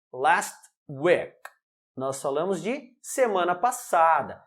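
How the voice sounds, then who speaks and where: A man gives an online English lesson in a friendly, patient way. He breaks each rule into small steps and keeps checking in with his students. When he reaches the English example sentences, he slows down and says them very clearly. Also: high-pitched. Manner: explains step by step, checks in with "ok?" and "alright?"; pronounces English examples slowly. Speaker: English teacher.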